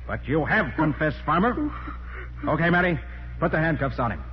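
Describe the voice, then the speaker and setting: An actor playing a shrewd, commanding master detective, explaining assertively and slangily in 1940s radio crime style on a muffled vintage recording. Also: male voice, a little high, big pitch swings, moderate pace, faint music behind. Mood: pressing, commanding.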